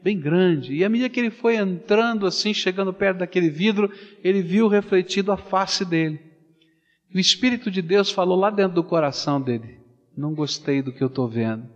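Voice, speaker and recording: Brazilian pastor preaching in a reverberant hall. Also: male voice, high-pitched. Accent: Brazilian Portuguese. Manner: dramatic swings between loud animated storytelling and hushed slow pleading. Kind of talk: sermon. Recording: dull sound with long hall reverb.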